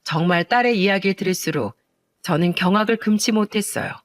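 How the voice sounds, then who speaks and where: A woman's voice: medium pitch, a little fast, dry recording. An older woman narrating an earnest, indignant story about her daughter. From South Korea.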